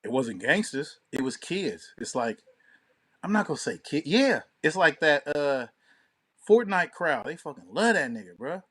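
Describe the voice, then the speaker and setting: A man's voice: on the high side, very animated, measured pace, fairly bright tone, slightly rough. Slangy, opinionated man chatting on a podcast. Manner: slangy, opinionated, emphatic talk with heavy profanity. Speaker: podcast co-host and DJ. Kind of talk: casual podcast conversation.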